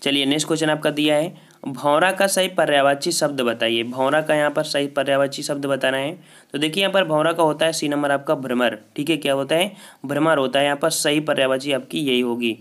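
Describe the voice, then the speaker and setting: Working through a Hindi grammar test out loud, this exam-prep teacher speaks briskly in a steady, slightly high and fairly bright voice. Every answer gets repeated and turned into a question with "ठीक है".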